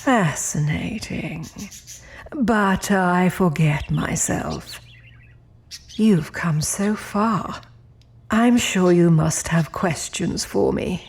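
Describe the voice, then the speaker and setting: A serene mistress of a deadly otherworldly realm in an audio drama. Her voice sits slightly low and moves very slowly. She is formal and measured, courteous with a cold edge. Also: slight background noise. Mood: courteous, curious. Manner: formal, measured, unhurried, polite.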